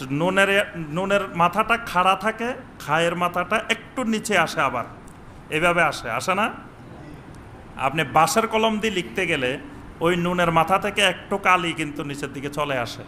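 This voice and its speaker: A man preaching a sermon in a mosque, chanting Arabic phrases slowly and questioning his listeners. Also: sits high, bright, forceful tone, a little hiss or hum. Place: mosque with upper floor and veranda.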